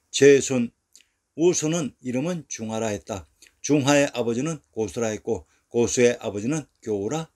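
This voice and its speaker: A man reads a history narration from a script at a steady, measured pace. His voice sits in an ordinary middle pitch. He counts off place names one at a time and drops lower and quieter at the end of each sentence. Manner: measured reading, falling and quieter at sentence ends.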